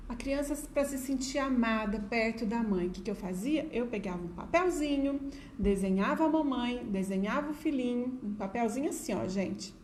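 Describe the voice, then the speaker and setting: A middle-aged Brazilian woman with a Brazilian Portuguese accent tells stories in a warm, chatty voice that sits a little high. She sprinkles her talk with diminutives and "né?" asides. The sound is roomy and echoey, with a faint hum of ambient noise behind it. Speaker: educator sharing stories. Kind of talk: casual storytelling talk to viewers.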